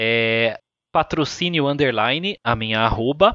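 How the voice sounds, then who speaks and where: A man's bright, sharp tone carries lively intonation in a dry, close sound with no echo. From São Paulo, Brazil. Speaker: podcast guest. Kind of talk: casual chat. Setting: video call.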